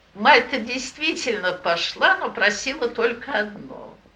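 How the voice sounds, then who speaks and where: Over noticeable background noise, a woman speaks fairly slowly in a high voice with very wide pitch swings. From Warsaw, Poland, raised in Belarus. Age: 70s. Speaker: memoirist interviewee, elderly witness of revolution. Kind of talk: casual interview, oral history recollection. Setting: at home, portable tape recorder.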